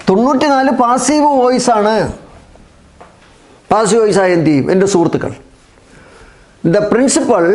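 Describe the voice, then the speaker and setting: A man with a Malayali accent runs an exam-prep English class in a very high voice. He spells each word out slowly, letter by letter, and says the key terms over and over so students can copy them down. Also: a little mellow. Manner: slow, spelled-out dictation of English words; repeats key words several times. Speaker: teacher.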